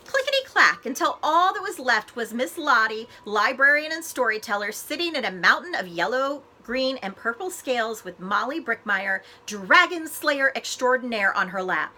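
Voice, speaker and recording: A woman librarian with a fairly high-pitched voice reads a children's storybook aloud, using expressive, deliberate phrasing for young listeners.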